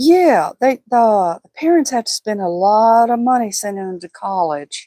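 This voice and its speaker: A woman in a Southern accent with a dark, mellow tone, very wide pitch swings, and a dry, close sound with no echo. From Texas, Houston area. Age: 50s. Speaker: livestream host. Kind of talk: casual chat. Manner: halting.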